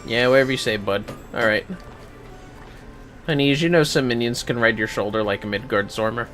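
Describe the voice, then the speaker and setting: A man's voice: mid-range voice, brisk, a bit bright, faint music behind. A man giving casual, offhand game livestream commentary, muttering asides to himself as he plays. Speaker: game streamer.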